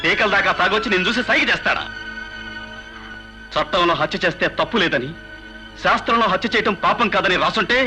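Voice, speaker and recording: A man's voice: high-pitched, brisk, long pauses, bright, forceful tone, soft background music. An actor playing a jealous drunken young husband who taunts and threatens his wife in a dubbed film. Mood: scornful.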